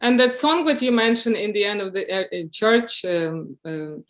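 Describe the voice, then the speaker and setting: A woman's voice: medium pitch, moderate pace. Woman moderator reading audience questions. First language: Ukrainian. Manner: reads audience questions, soft laughs.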